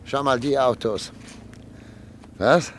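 A man's voice: medium pitch, slow pace, a bit bright. An actor playing a thoughtful, anxious doctor and father of thirty-nine in a radio drama, speaking earnestly and articulately. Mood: wistful. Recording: noisy old radio play recording.

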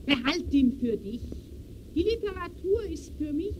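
A woman's voice: high voice, lively intonation, moderate pace. An actress playing a bossy, gossipy society woman with cultural pretensions, speaking emphatically in old radio-play style. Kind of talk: 1920s German radio play acting. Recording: noisy old radio recording.

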